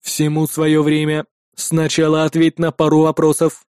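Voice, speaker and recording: A man reading an audiobook who voices a calm, terse male combat android, speaking in a cold and measured way. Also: a little high, clear, resonant tone, no echo, clean studio sound. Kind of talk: audiobook character voice.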